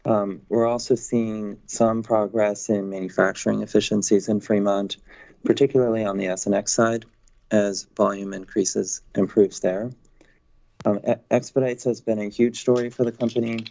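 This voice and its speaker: Male executive, lowish gravelly voice, corporate explanatory briefing delivery, dull conference-call sound. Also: level tone, moderate pace, dark tone. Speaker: company executive on an earnings call. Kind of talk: business briefing, answering analyst questions.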